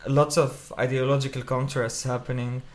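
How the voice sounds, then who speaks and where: A musician from Lebanon being interviewed on radio, talking in a reflective way and pausing to search for words. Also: male voice, medium pitch, level tone.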